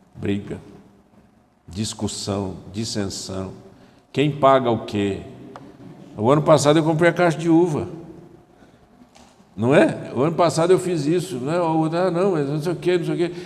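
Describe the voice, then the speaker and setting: Audible room echo surrounds a man with a fairly high pitch who talks at a moderate pace with lively intonation and long, frequent pauses. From Paraná, southern Brazil. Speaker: pastor. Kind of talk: sermon. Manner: animated, conversational.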